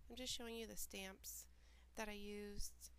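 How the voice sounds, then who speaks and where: Congested, gravelly-voiced woman. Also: mid-range voice, a little slow, slight background noise. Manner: relaxed, plain step-by-step explaining with small asides. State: congested and nasal from a cold. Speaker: mixed media artist. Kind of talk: craft tutorial voiceover. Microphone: home voiceover recording.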